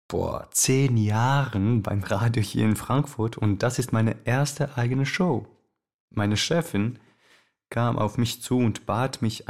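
A man's voice: on the low side, vocal fry, a little mellow. A man playing a radio host, chatting in an informal, confiding way. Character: casual, candid Serbian-German male radio host. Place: radio studio.

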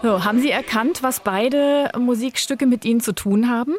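A woman hosting a radio interview, asking her guest questions in a clear, friendly way. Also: on the high side, normal speed, over music. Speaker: radio host.

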